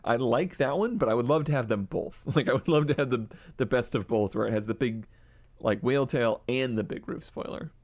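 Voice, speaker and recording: A man's voice: mid-range voice, brisk, darkish tone. Joking male podcast co-host. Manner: joking, laughs often. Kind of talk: casual chat about project cars.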